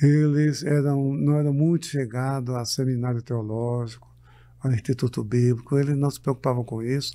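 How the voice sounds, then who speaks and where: A man speaks at a moderate pace in a dark, mellow tone of medium pitch. The recording is very clean, with a silent background. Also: fairly even intonation. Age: 60s. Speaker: pastor and Bible scholar. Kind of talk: interview on religious program.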